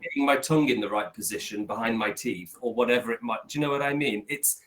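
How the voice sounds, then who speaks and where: A man's voice: medium pitch, fast, fairly bright tone, low-quality recording. A man, tutoring a student in casual conversation over a video call, repeating points for emphasis. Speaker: English tutor.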